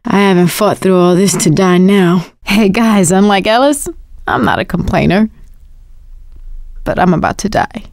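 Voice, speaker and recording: A woman playing a sassy, expressive young survivor of a zombie outbreak in a video game, in short wry barks. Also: medium pitch, normal speed, gravelly, no room sound, studio quality, natural voice. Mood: wry, exasperated.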